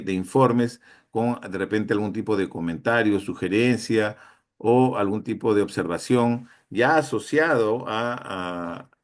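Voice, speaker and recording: Giving a lecture at a conference, this fairly low-voiced man sounds hesitant. He often uses fillers and starts his phrases over.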